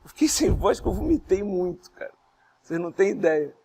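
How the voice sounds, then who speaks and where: Hoarse lecturer, gravelly voice. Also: male voice, high-pitched, sing-song, a little hiss or hum. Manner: explains step by step, asks the class rhetorical questions; speaks softly and not fast, pausing to breathe. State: hoarse, voice strained after illness. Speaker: university lecturer. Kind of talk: classroom lecture.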